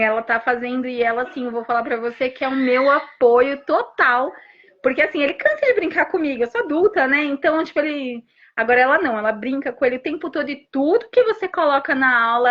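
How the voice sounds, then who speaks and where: A mother in her thirties giving an emotional testimony about her son, talking in animated bursts with restarts. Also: high-pitched. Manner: animated storytelling with frequent restarts and rapid asides. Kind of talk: emotional personal testimony on a live stream. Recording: dull lo-fi stream audio.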